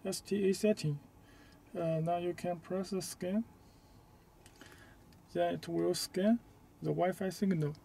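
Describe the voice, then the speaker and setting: A man who is not a native English speaker gives a step-by-step hands-on demonstration inside a car, in halting, short, simple phrases. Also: high voice, fairly even intonation, vocal fry, dark tone, a little hiss or hum. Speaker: product demonstrator.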